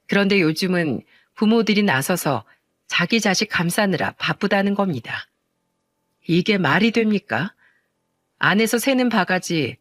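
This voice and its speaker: A woman's voice: medium pitch, dry recording. An older woman narrating an earnest, indignant story about her daughter. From South Korea.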